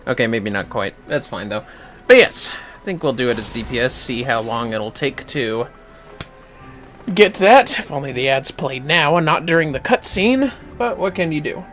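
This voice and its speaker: On a gaming livestream, a man chats casually to viewers, rambling, swearing and talking to himself. His mid-range voice is fairly bright with lively intonation, at normal speed. Clear music plays behind him.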